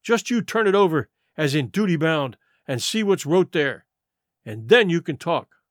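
Man voicing a surly, accusing pirate mutineer, high-pitched. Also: expressive, moderate pace, no room sound, clean studio sound, close to an everyday voice. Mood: challenging. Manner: blunt, accusing, rustic nautical dialect. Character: tall, surly, yellow-eyed mutinous pirate challenger. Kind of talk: audiobook character acting.

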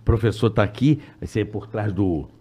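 A man's voice: lowish voice, normal speed, warm tone, breathy edge. A man co-hosting a casual podcast, talking in slang and often checking for agreement with short tag questions. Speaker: podcast co-host. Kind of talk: casual chat.

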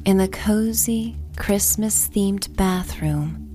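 A woman narrating a sleep story in a soft, breathy, half-whispered voice, gently, with pauses between short phrases. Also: medium pitch. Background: music.

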